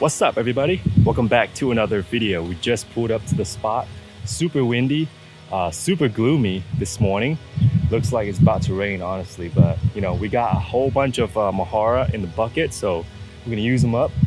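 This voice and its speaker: The speech moves at a fairly quick pace with clear music in the background. The sound is dry with no echo. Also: man. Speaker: fishing vlogger. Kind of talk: casual vlog chat. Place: waterside. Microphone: phone near.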